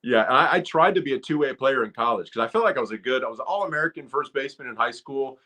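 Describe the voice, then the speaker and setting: A man's voice: mid-range voice, lively intonation, quick pace, sharp tone. A man in his forties, a former ballplayer turned broadcaster, chatting and telling self-deprecating stories as a guest on a podcast. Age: 40s. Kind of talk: casual storytelling interview.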